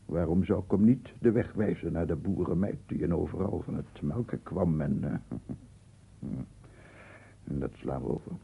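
An actor playing a weary, guilt-ridden writer who mutters to himself in halting, broken phrases in a radio drama. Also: male voice, sits low, heavily acted. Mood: weary, irritated. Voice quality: husky, gravelly. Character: brooding, weary male writer tormented by guilt. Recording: muffled, phone-like archive radio recording.

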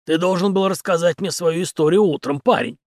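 A man's voice: high-pitched, fairly even intonation, a little fast, no echo, studio quality, pitched above the performer's own voice, lightly acted. A man reading an audiobook, voicing a burly male beggar who roars his lines. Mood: gruff. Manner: roaring.

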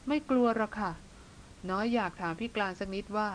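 A woman's voice: mid-range voice, fairly even intonation, brisk, slight background noise, lightly acted, poor audio. A woman voicing an earnest, affectionate younger sister.

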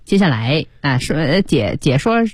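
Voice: medium pitch, moderate pace, breathy edge, no echo, studio quality. A co-host on a radio English lesson who jokes and translates the lines. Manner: lively, quips and translates lines. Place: radio studio.

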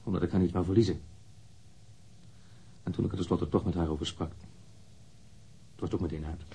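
A very husky, mellow male voice, sitting deep. a defensive, wounded lover in a radio drama, answering police with blunt, indignant candour. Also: fairly even intonation, brisk, heavily acted. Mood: wistful, sincere.

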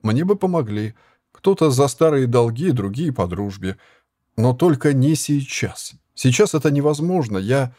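A man doing a gruff wandering herbalist. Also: mid-range voice, animated, unhurried, dark tone, dry recording, studio quality, pitched above the performer's own voice. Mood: stern.

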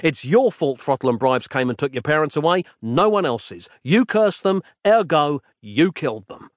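A man voicing a gruff, bossy and sarcastic man who speaks in curt, growling lines. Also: fairly high pitch, animated, moderate pace, no room sound, studio quality, natural voice.

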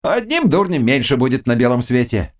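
A man's voice: medium pitch, sing-song, a little fast, natural voice. A man voicing rowdy cossacks who jeer and tease a comrade. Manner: jeering, teasing. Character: rowdy mocking male cossacks.

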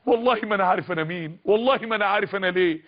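A man's voice: sits high, very fast, highs cut off, natural voice. Man voicing a stammering lost young man. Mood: pleading. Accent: Egyptian. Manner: stammering, pleading.

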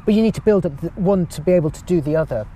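Man, high tenor voice, chatty podcast guest, self-mocking, light street noise behind. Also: racing, mellow. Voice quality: high-pitched voice. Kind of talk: casual chat.

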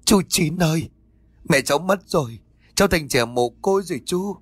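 A man's voice: fairly high pitch, very animated, normal speed, breathy edge, no room sound. A man voicing a grieving young orphaned woman who pleads through tears. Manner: tearful, pleading.

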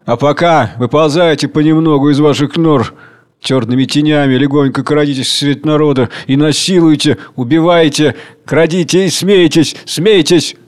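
A domineering old king of hunger, voiced by a male reader. He declaims loudly, exhorting his followers in a raised, urgent voice. The delivery is theatrical, like a stage monologue. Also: a little high, normal speed, close to an everyday voice. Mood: rousing. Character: old male tyrant Tsar Hunger, rousing his rabble.

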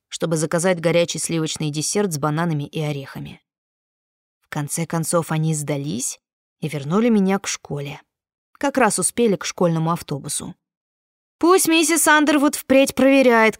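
A woman's voice: on the low side, animated, moderate pace, no room sound. A woman narrating a novel in the first person as an audiobook reader, close to the mic.

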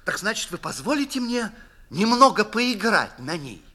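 A man's voice: high-pitched, sing-song, moderate pace, bright, forceful tone, voice pushed up, heavily acted. A man voicing an eager young male violinist who speaks in an exclamatory, rapturous way.

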